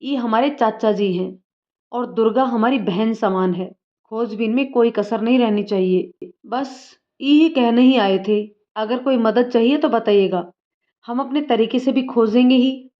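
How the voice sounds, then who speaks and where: A woman's voice: a little high, measured pace, lightly acted. A woman voicing a confident young student leader. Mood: firm. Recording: slightly dull lo-fi audio.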